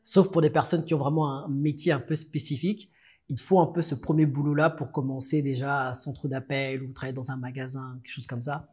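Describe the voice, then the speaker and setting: A man from France, a guest on a podcast interview, telling his story in a relaxed, halting way with frequent restarts. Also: mid-range voice.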